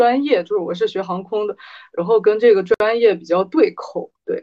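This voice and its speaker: A woman speaks at a moderate pace in a fairly high pitch. Her unremarkable speaking voice shows ordinary pitch variation. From Guangdong, Zhuhai. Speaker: recent graduate. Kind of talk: casual chat.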